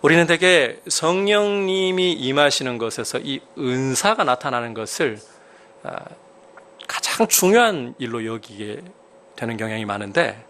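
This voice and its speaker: A man preaching a sermon as a pastor, emphatic, with sudden rises in pitch and loudness and questions put to the congregation. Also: expressive, measured pace, a little hiss or hum.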